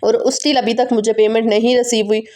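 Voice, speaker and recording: A woman vlogger with a Pakistani Urdu accent, chatting quickly and directly to her viewers in a casual voice-over. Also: a little high, level tone, a little mellow. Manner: fast, run-on, talking straight to viewers.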